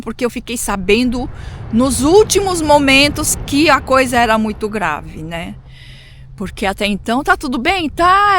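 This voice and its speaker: A woman's voice: on the high side, a bit bright, slight background noise. A middle-aged woman from Brazil with a Brazilian Portuguese accent, telling personal stories casually as a vlogger, conversational and often seeking agreement with tag questions.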